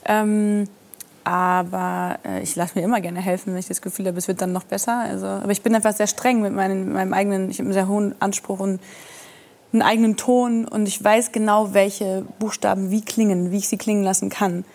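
A woman's voice: mid-range voice, level tone, a little fast, a little mellow. Reflective woman talk-show guest. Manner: earnest, reflective, searching for words. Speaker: guest singer.

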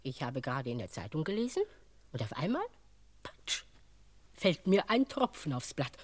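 An actress playing an excitable, easily frightened female cook who chatters in a breathless, gossipy way, in a radio play. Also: very high voice, brisk. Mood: alarmed.

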